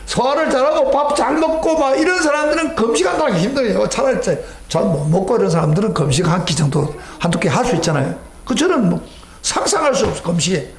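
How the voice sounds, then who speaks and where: Middle-aged male pastor, fairly high voice, emphatic storytelling sermon, reverberant sanctuary sound. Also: expressive, fast. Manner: emphatic storytelling, acting out his own prayers; sweeping pitch, rising near a shout then dropping low. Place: church sanctuary.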